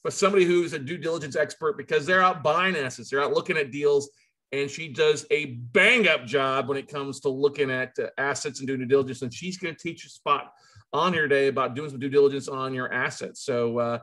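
A man's voice: medium pitch, fairly quick, sharp tone. An American man in his forties hosting a video-call session in a casual, effusive, rambling and jokey way. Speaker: host of an online conference. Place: indoors, video call with virtual background.

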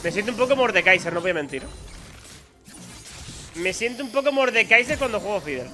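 A high-pitched, very bright and sharp male voice, talking through a match in quick, excitable bursts and taunting the enemies. Faint music plays underneath. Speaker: gaming YouTuber. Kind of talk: live gameplay commentary.

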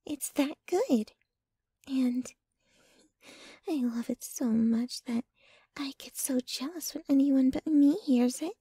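A woman plays a possessive, jealous young girlfriend in an intimate ASMR roleplay, sweetly menacing yet adoring and tender, cooing slowly and clinging to the listener. Her high, mellow, breathy voice often drops to a whisper, recorded dry with studio quality.

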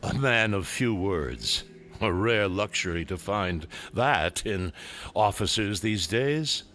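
Condescending, dryly amused male imperial commander, played by an actor, formal, low-pitched and swooping in tone, for audio drama. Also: animated, takes it slowly, a bit bright.

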